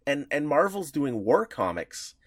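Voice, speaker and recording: A man co-hosting a podcast chats casually in a fairly high, sing-song voice at a measured pace, captured in clean, echo-free studio sound. His enthusiasm shows as he rambles and keeps restarting while ideas pile up.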